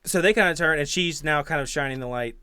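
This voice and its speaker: A man with a slightly high voice runs a tabletop game. He improvises his narration casually and hesitantly, in a very dry, close recording. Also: fast talker, pushed and bright, clear, resonant tone, dry recording. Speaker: game master.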